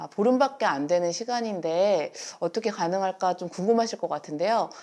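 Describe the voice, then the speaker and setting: A woman with an ordinary speaking voice talks at a moderate pace and medium pitch, with ordinary pitch variation and big swings in loudness. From Jeolla, Korea (Jeonju). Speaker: elementary school teacher. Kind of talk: interview about teaching.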